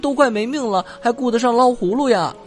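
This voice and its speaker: A man's voice: very high-pitched, brisk, soft background music, pitched above the performer's own voice. A man voicing an anxious young white rabbit full of questions in a children's bedtime story. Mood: alarmed, scolding. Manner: exclaiming, questioning.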